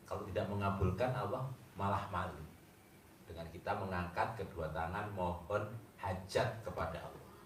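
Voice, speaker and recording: A man reciting religious teaching in a measured preaching style, with slow, deliberate emphasis. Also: lowish voice, fairly bright tone. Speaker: religious speaker reciting hadith. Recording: distant, echoey room with faint background noise.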